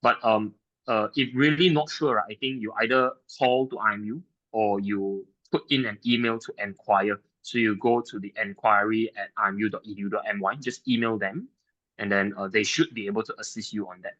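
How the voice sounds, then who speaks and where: A man's voice: fairly low pitch, steady tone, a little fast, a bit bright, muffled recording. A man answering audience questions on a panel, hedging and ending points with "right?". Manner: hedging, frequent "right?" tags. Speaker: practitioner panelist. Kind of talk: live Q&A answers.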